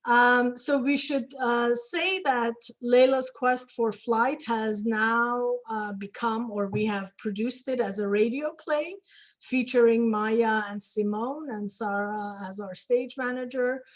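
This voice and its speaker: A woman's voice: on the high side, fairly even intonation, slow. A woman hosting a casual conversation, asking questions in an informal interview style. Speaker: host of a discussion with theater performers.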